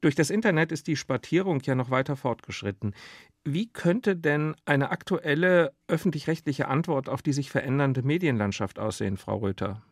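A man's voice: on the high side, normal speed, dry recording, clean studio sound. A man hosting a radio discussion, putting prepared, formally worded questions in an articulate, structured way. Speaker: radio host, interviewer. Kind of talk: prepared interview questions and background narration.

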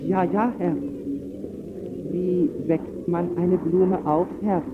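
An actor playing a meek, deferential factory servant who speaks humbly and formally in an old radio drama. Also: male voice, sits high, fairly even intonation, takes it slowly. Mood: submissive, pleading. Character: meek, deferential Chinese male factory foreman under a master. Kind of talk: 1920s German radio play acting. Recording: muffled, noisy old radio recording.

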